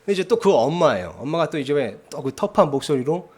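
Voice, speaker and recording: A man's voice: a little high, big pitch swings, fast, a little mellow, slightly rough. A man preaching a sermon in a church, telling a story in a conversational way and often checking in with the congregation. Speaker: pastor. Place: church sanctuary.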